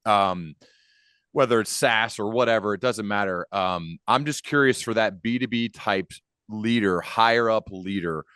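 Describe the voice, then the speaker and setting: An American man hosts a podcast in a fairly low voice. He puts his questions casually and conversationally, and the recording is close and dry. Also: a little slow, a bit bright, smooth, no room sound. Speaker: podcast host. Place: dim home studio. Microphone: large desk podcast microphone, close.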